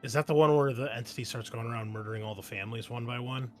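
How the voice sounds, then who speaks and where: A man's voice: medium pitch, quick pace, faint music behind. A man hosting a tabletop game session in casual, sweary chat. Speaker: host and game master.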